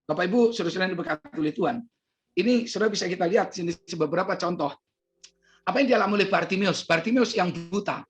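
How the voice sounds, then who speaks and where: Animated preaching pastor with soft music. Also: male voice, high-pitched. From Indonesia. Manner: animated preaching, swings from loud cries to quiet asides; calls the congregation "saudara" again and again. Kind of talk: sermon. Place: church service broadcast online.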